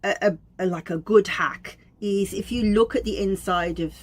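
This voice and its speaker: A woman's voice: medium pitch, normal speed. A woman with a Black Country accent from Wolverhampton giving an informal educational talk to viewers, explaining things in a chatty, self-deprecating way. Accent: Black Country English (Wolverhampton). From Wolverhampton, England. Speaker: aromatherapy educator and host.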